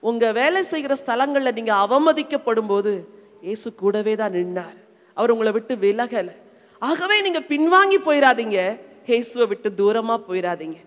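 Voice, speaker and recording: A woman's voice: fairly high pitch, expressive, normal speed. A middle-aged woman from India with a Tamil accent, preaching a sermon with strong emotional swells. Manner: emotional, rising and falling in intensity. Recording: long reverberant hall.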